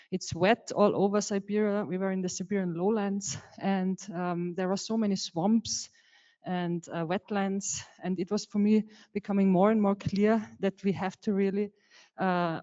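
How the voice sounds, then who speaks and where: A woman's voice: mid-range voice, warm tone. Casting: middle-aged woman scientist, informal, restarts sentences, slightly dull lo-fi mic. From Austria, Tyrol. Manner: informal, self-correcting. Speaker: ecologist and lecturer. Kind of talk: personal account in a lecture. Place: lecture hall.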